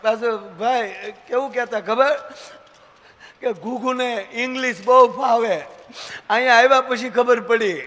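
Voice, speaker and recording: A folk comedian at a dayro, his very high-pitched voice a bit bright and a little slow, tells teasing comic stories on stage before a live audience. He's chatty and acts out scenes, and the live hall carries faint noise.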